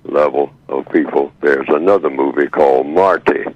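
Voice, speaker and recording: A man in his eighties speaking by phone as a radio guest over a clipped line, slow and measured with halting fillers. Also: very deep voice, no echo. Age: 80s. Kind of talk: radio call-in talk by phone. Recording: dull, dry phone line.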